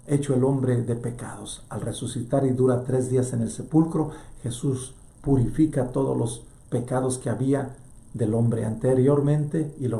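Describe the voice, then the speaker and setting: A man preaching a sermon as a priest, fervent and swinging from loud to hushed. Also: mid-range voice, creaky, roomy sound.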